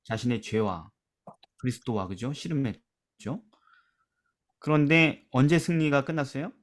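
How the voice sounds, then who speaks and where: A man leading a church Bible study discussion, asking questions and reading verses aloud, trailing off softly at the ends of phrases. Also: measured pace. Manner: asks questions and drops to a soft low voice at phrase ends; reads scripture aloud with emphasis.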